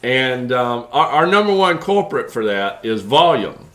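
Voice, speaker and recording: A man's voice: medium pitch, very animated, a little slow, a bit bright. A man who breeds reptiles, explaining care tips in a casual, folksy way with many fillers.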